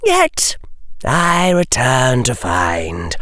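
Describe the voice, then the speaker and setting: A man voicing a cold, menacing male dark lord who speaks slowly and drops to chilling whispers. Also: medium pitch, wildly swooping pitch, no echo, clean studio sound, pitched above the performer's own voice, heavily acted. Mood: cold menace. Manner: slow, icy, drops to hissing whispers. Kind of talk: audiobook character voice.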